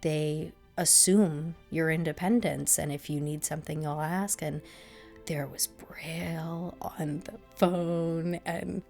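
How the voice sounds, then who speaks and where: A woman's voice: low voice, fairly even intonation, takes it slowly, vocal fry, darkish tone, faint music behind. A young adult woman telling her story casually, acting out voices and laughing often. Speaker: podcast guest.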